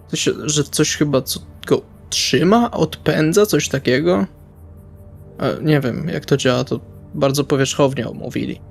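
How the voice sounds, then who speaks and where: A man's voice: a little high, normal speed, creaky, soft background music. A man playing a tabletop role-playing game, improvising dialogue and narrating his actions casually in colloquial speech. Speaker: tabletop RPG player.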